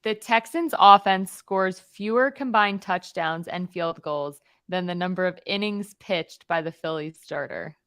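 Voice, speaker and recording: A woman's voice: on the low side, measured pace, hardly any pauses, a bit bright, smooth. A woman on a casual sports podcast, reading out game prompts and calling the bids. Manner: reads game prompts aloud, auctioneer calls.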